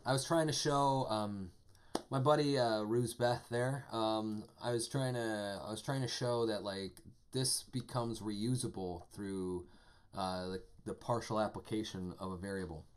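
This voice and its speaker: A man's voice: fairly low pitch, fairly even intonation, measured pace, clean tone. A man teaching a live-streamed programming lesson, talking casually and enthusiastically with lots of fillers as he types code. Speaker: programming instructor.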